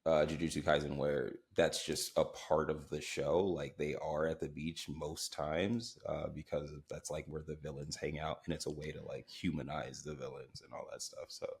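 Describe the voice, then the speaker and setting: A man in his thirties chatting casually on a podcast, telling animated stories and acting out quotes with laughs. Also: very deep voice, moderate pace, few pauses. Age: 30s. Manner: animated storyteller, laughs often, acts out quotes. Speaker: guest co-host.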